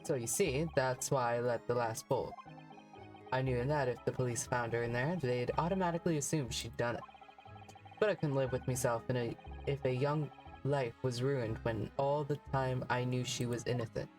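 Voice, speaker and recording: Streamer putting on a self-righteous, folksy gentleman witness. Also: mid-range voice, moderate pace, soft background music, close to an everyday voice. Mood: earnest, noble. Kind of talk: amateur game dialogue reading.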